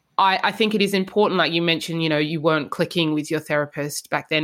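This is a woman with a normal speaking voice. Her pitch is fairly low and her intonation fairly even. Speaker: podcaster.

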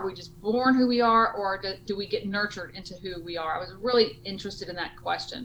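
A woman speaks fairly quickly, her pitch varying in an ordinary way, with noticeable background noise present. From Lake Charles, Louisiana. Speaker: foundation founder, humanitarian. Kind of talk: casual interview chat.

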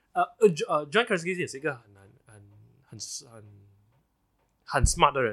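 With long, frequent pauses, a man speaks at a fairly high pitch through vocal fry, his pitch swinging very widely and his loudness in big swings. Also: moderate pace. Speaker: podcast co-host. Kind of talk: casual chat.

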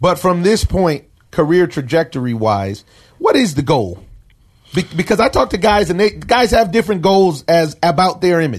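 With an American accent, a high-pitched man talks at a moderate pace with lively intonation and very even loudness. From Los Angeles, US West Coast. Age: 30s. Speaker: podcast host. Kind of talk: casual chat.

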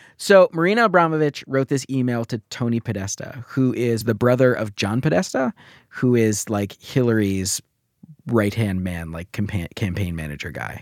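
A man's plain, everyday voice at medium pitch and a moderate pace, in a very clean recording with a silent background and a dry, close sound with no echo. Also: lively intonation. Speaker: podcast host. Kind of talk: casual banter.

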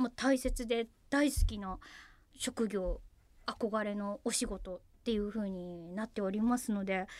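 On a very clean recording with a silent background, a woman with a fairly high voice speaks fairly slowly with ordinary pitch variation. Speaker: radio personality. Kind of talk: late-night radio monologue. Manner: animated.

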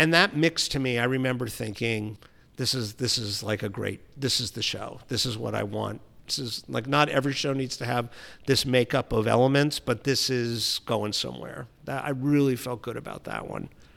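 A man speaks at a moderate pace with ordinary pitch variation, in an ordinary speaking voice. The recording is very clean, with a silent background. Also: medium pitch for a man. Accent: American. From New York. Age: 50s. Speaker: author and food writer. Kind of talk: casual chat.

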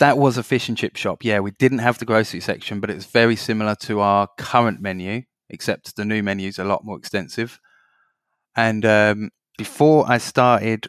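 A man speaks with an Essex accent and fairly even intonation. The sound is dry and close with no echo, on a very clean recording with a silent background. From Essex, England. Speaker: shop owner. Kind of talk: interview.

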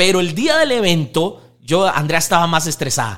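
With a Costa Rican accent, a man talks at a moderate pace. His voice is high-pitched, with very wide pitch swings. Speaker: podcast host and entrepreneur. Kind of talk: casual conversation. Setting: home.

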